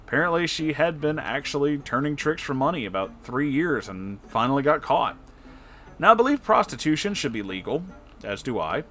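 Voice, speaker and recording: A man reading a story aloud as an online narrator, expressive and casual, with dramatic delivery. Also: on the high side, moderate pace. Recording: music behind the voice. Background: background music.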